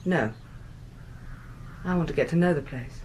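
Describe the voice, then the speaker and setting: An actress playing a genteel, expressive wife with an English accent and a breathy, husky voice in a 1980s radio drama. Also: female voice, low voice, measured pace, exaggerated voice. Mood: hurt, questioning.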